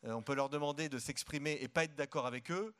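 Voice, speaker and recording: A man's voice: a little high, fast, a bit bright, clear, resonant tone. A man speaking as an economist guest in a live stage interview at a conference, outspoken and emphatic, often repeating words as he starts a thought. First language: French.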